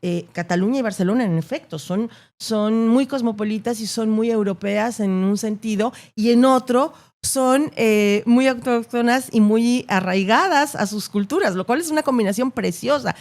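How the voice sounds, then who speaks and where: Gravelly woman, emphatic. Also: a little high, normal speed, darkish tone. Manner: thoughtful, emphatic, with frequent rhetorical "¿no?". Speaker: journalist guest. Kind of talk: podcast interview answers.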